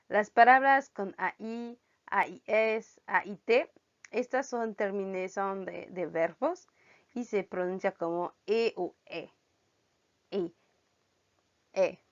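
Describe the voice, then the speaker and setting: Very slow-talking woman teaching French. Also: mid-range voice. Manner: slow, spells out letters and repeats each sound. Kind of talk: language lesson. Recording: dull lo-fi recording.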